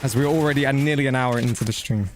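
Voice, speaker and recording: A man's voice: mid-range voice, fast, a little hiss or hum. A man giving casual live gameplay commentary and chatting to viewers, blunt, slangy and matey, with some swearing. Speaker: video game streamer.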